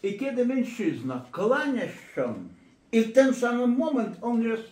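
A man's voice: very high voice, very animated, unhurried, darkish tone. A man working as a therapist and court expert, giving a lecture-style talk in an emphatic, digressive way. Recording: echoey room.

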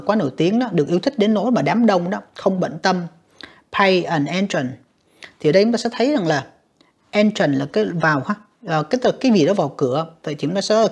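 A woman's voice: lowish voice, darkish tone, husky. A woman teaching an exam walkthrough, talking patiently with frequent fillers and repeating words as she explains. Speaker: English teacher.

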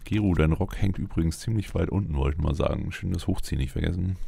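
A man's voice: sits low, fast talker, vocal fry, dark tone, breathy edge. A man giving casual in-character game commentary, muttering to himself in short fragments. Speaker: let's player. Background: video game ambience.

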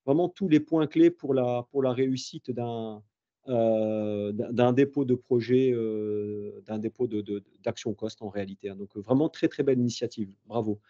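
A man's voice: medium pitch, moderate pace, warm tone, muffled recording. A man in his fifties, a university professor giving an online presentation, speaking effusively and often restarting words mid-sentence. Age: 50s. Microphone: video call.

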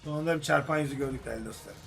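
A young man giving casual, joking commentary while playing slot games, swinging from grumbling to excited hype. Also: medium pitch, very fast, gravelly. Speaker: slot game streamer. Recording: faint music behind voice. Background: faint game music.

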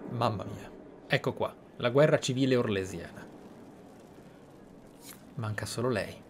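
A man's voice: medium pitch, unhurried, darkish tone, a little hiss or hum. A man with an Italian accent commentating on a video game, with theatrical delivery and reflective asides. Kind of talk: game commentary with read-aloud in-game letters.

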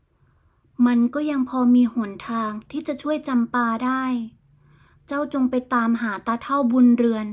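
A woman voicing a calm, wise old village woman who advises and comforts slowly and steadily in a bedtime storybook reading. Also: on the high side, close to an everyday voice.

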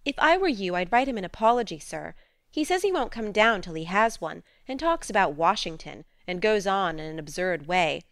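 A woman's voice: mid-range voice, big pitch swings, moderate pace, no room sound, studio quality. A woman reading a spirited, outspoken teenage girl who speaks earnestly and frankly.

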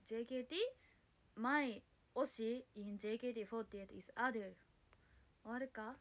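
A young woman, talking on her own livestream. Her voice sits high, and her chat is quick and flustered as she answers viewers one by one. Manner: chatty, flustered, reads and answers viewer comments. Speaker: idol livestreamer. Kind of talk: casual solo livestream chat.

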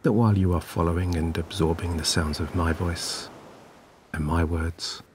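A man narrating a scripted guided sleep meditation in a soothing, gentle, measured way. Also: low-pitched, fairly even intonation, slight background noise. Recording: clear background ambience of waves. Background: relaxing ocean wave sounds.

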